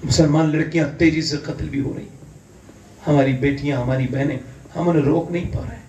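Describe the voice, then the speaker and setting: A man from India preaching an impassioned sermon, fervent and building to loud emphatic peaks. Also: a little high, fairly even intonation, dull audio, slight background noise. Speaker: Islamic preacher. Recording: echoey hall, distant mic, faint ambience.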